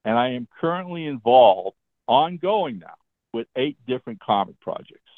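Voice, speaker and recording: A chatty man in his seventies tells long stories about his career, pausing now and then to ask "okay?" or "all right?" His voice sits at an ordinary pitch and comes through a thin, phone-like line with a dry, close sound. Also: sing-song, no echo. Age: 70s. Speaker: guest, comic book writer. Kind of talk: casual interview storytelling.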